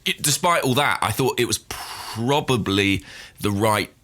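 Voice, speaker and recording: Lowish guy w a bright edge, teasing co-host on a footy podcast. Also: lively intonation, a little slow. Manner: wry, teasing, thoughtful. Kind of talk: casual football podcast chat.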